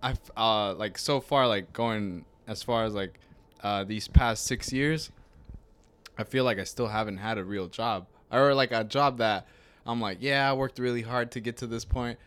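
A man in his late twenties hosting a podcast in a relaxed, casual chat, musing aloud and repeating his points. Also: on the low side, normal speed, clean tone. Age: 20s. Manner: laid-back, reflective, repeats himself. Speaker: podcast host.

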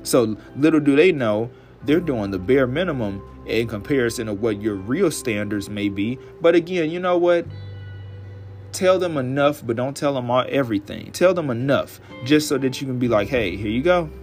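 A hoarse man hosting his own podcast, talking straight to his listeners in a loose, chatty monologue. His speech is blunt and laced with swearing, and he stretches words out for emphasis. Faint music plays under his voice. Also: medium pitch, lively intonation, normal speed, darkish tone. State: hoarse, dry throat. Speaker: podcast host. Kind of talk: casual solo podcast monologue.

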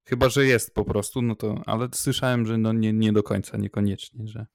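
A man's voice: fairly low pitch, fairly even intonation, a little fast, gravelly, dry recording, clean studio sound. A man interviewing a guest casually, asking hesitant questions with many restarts.

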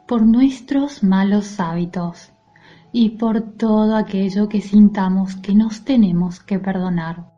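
A woman leading a guided mindfulness meditation in a soothing, gentle, soft-spoken manner. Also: medium pitch, lo-fi sound. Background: music.

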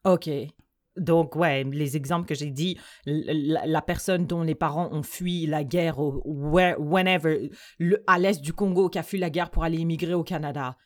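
Emphatic young woman, lowish voice. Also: steady tone, normal speed. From Mauritania. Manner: emphatic, mixes French with English phrases. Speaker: discussion guest. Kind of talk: casual debate chat.

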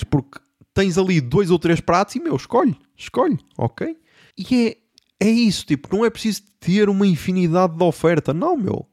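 A man's voice: medium pitch, darkish tone, dry recording, studio quality. A young man with a European Portuguese accent, telling a comic story as a podcast host in a slangy, exasperated way and swearing often. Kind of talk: comedic storytelling monologue.

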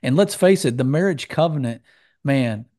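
A man's voice: mid-range voice, lively intonation, moderate pace, warm tone. A man hosting a podcast, affirming and conversational as he responds to his guest. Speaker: podcast host. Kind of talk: casual interview.

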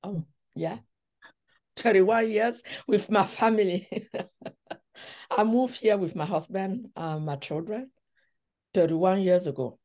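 Middle-aged woman from cameroon, talks real slow, pauses and ums a lot, interview guest. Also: mid-range voice, darkish tone. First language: a language of Cameroon. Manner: slow, thoughtful storytelling with frequent pauses and fillers. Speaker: relationship coach.

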